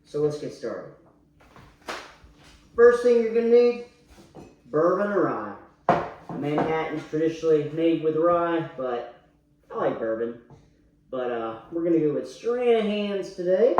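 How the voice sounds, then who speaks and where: A man's voice: a little high, very animated, unhurried, pauses often, dull audio. A drunk man hosting a casual cocktail tutorial online, talking in a slangy, crude, boisterous way. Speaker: YouTube host. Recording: echoey room, faint background noise.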